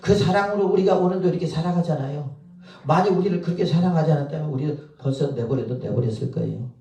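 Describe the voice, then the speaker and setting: A man's voice: on the high side, quick pace, vocal fry, dark tone. A man preaching a sermon as pastor, telling stories and acting out the people he quotes, chuckling now and then. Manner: storytelling, acts out quoted voices, chuckles. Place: church sanctuary. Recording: echoey, from far off in a church hall.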